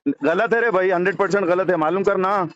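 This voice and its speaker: A man's voice: sits high, brisk. A man with a Hyderabadi Deccani accent arguing confrontationally on a phone call, repeating himself insistently. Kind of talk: heated argument on a phone call. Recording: dull lo-fi recorded phone call.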